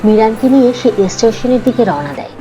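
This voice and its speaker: A woman narrates a cartoon story in a soft-edged, mellow voice, slightly high. Music plays behind her. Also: expressive, quick pace, rough recording.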